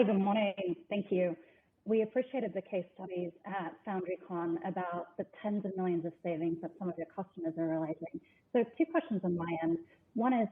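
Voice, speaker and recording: Female analyst on a narrow phone line. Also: fairly low pitch. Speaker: financial analyst caller. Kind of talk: prepared questions on an earnings call.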